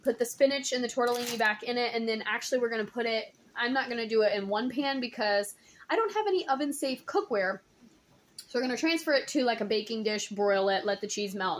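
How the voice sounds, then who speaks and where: A woman's voice: a little high, a little fast, a bit bright, slight background noise. A woman in her thirties chatting casually through a cooking vlog in her home kitchen, filmed on a phone at arm's length, full of ums and likes. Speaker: home cook vlogger. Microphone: phone held at arm's length.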